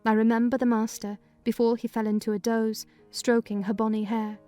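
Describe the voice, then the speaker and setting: Female audiobook narrator, measured storytelling, slightly high voice. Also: level tone, dark tone, no echo, soft background music. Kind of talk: dramatized audiobook reading.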